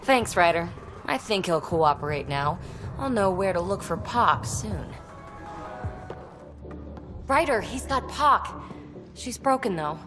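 A woman's voice: medium pitch, animated, slow pace, pauses often, music in the background. A woman playing an impulsive, guarded, wry young alien adventurer in a video game, with breezy, sardonic delivery. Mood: brisk. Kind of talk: video game dialogue acting.

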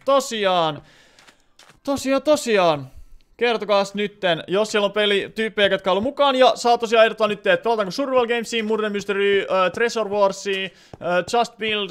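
A man streams a game live and talks loosely to his viewers. His voice sits fairly high and sounds smooth and resonant. He fills his sentences with hesitations and small filler words. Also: a bit bright. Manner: rambling, many filler words.

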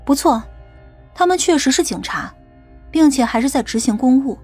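High-pitched, probing policewoman acted by a woman. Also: lively intonation, moderate pace, darkish tone, slightly rough, soft background music. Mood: matter-of-fact. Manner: interrogating, challenging. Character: tough, probing policewoman, forceful and skeptical. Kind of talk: audiobook character dialogue.

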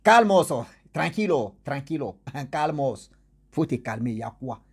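A man voicing a calm pastor who soothes slowly and speaks with quiet certainty. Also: medium pitch, husky, exaggerated voice. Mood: soothing. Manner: slow, soothing reassurance.

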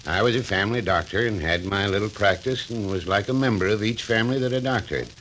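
An older actor playing a genial, coaxing retired country doctor in a 1940s radio drama. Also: male voice, lowish voice, fast, a bit bright, natural voice, poor audio. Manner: soothing, folksy, coaxing. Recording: old radio recording with faint hiss.

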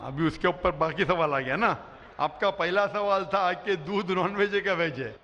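On a big indoor arena stage facing a large crowd, a middle-aged Islamic preacher takes audience questions in a public lecture, speaking into a stand microphone. His voice is fairly high, bright and forceful; he explains emphatically and keeps asking "you understand?". A long hall reverb follows each phrase.

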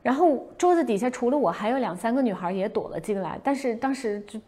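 A young woman tells a story on a casual livestream. Her voice sits a little high, and she brings the story to life by acting out the shouts she gave. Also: fast talker. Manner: animated, acts out her own past shouts. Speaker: livestream host.

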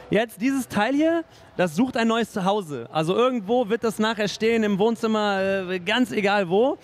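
A middle-aged man hosting a sports interview in an upbeat, chatty way, speaking into a handheld mic. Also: high-pitched. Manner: upbeat, chatty, says "nice" and "ähm" a lot. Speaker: host, interviewer. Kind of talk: hosted interview and announcements. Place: indoor studio in front of a sponsor wall.

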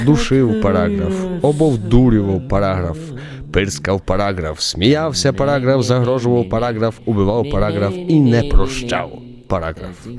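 A man narrating a radio drama in an expressive, wry, literary storytelling style. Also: medium pitch.

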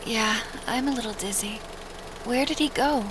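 A woman playing a shaken, earnest young woman in an audio drama, speaking haltingly and hesitantly. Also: on the high side, background noise, natural voice. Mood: dazed. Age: young adult.

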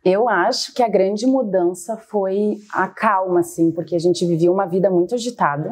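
A woman's voice: medium pitch, moderate pace, a little mellow, breathy edge. A middle-aged woman with a southern Brazilian accent, talking conversationally about her own experience as an interview guest. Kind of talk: conversational personal testimony.

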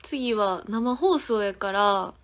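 A woman in her twenties with a Kansai accent chats casually on a phone livestream, giggling as she answers viewers' comments one at a time. She's an idol singer hosting the stream, and her mid-range voice moves at a slow pace.

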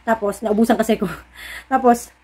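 Chatty Filipina store-owner vlogger. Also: female voice, fairly high pitch, fairly even intonation, normal speed, a little mellow, breathy edge. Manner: chatty, storytelling with acted-out dialogue; encouraging, preachy pep talk. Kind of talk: casual chat to viewers.

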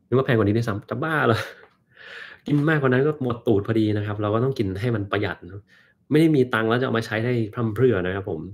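A man casually answering viewer questions on a live stream, relaxed and joking. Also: medium pitch, fast. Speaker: host answering live chat.

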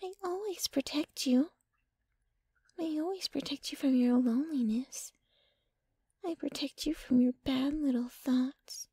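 A woman's voice: on the high side, dark tone, no room sound, heavily acted. A woman playing a jealous, possessive, dominant yet clingy young girlfriend in an intimate, whispery ASMR roleplay, close to the microphone. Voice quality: breathy, whispery. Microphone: close microphone, dry.

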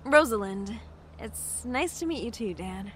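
A woman playing a shy, friendly young bookstore worker in an audio drama, soft-spoken and hesitant. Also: a little high, animated, a little slow, slight background noise.

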